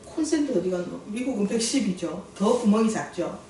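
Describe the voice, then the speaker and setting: A middle-aged woman, preaching a sermon as a missionary in lively storytelling with jokes for the congregation. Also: mid-range voice, fairly quick, slight background noise. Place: church sanctuary. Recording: very echoey church hall, distant mic.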